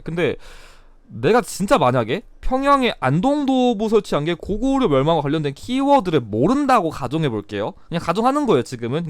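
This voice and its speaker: A young man who tutors history gives a blunt, chatty exam review lecture while still recovering from a cold. His voice is a little high, and the recording is dry.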